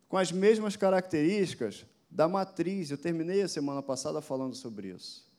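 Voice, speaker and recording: A man's voice: fairly high pitch, a little mellow. A man preaching a sermon with a slightly raised voice. He speaks to his listeners through a camera, throwing rhetorical questions at them and driving his points home with rising emphasis. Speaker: pastor. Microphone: addressing a camera for an online audience.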